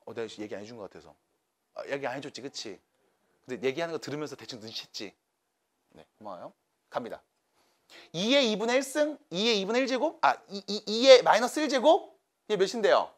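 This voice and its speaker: A man teaching a math class to students, coaxing and checking in with them by name. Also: sits high.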